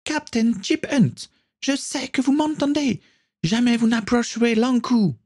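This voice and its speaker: A man reading an audiobook voices a young woman captive, shouting desperately in a high strained voice. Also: measured pace. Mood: defiant.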